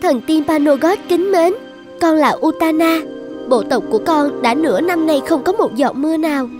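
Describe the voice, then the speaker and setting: A woman playing a devout, self-sacrificing young tribal maiden in an animated folktale, earnest and reverent. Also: sits high, moderate pace, over music, close to an everyday voice. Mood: reverent pleading. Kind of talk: dubbed animated folktale acting.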